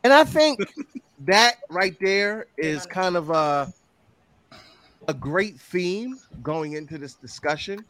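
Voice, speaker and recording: A man's voice: sits high, expressive, slow, a bit bright. A man hosting a podcast, introducing guests with loose, profane banter. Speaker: podcast host. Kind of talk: casual podcast chat.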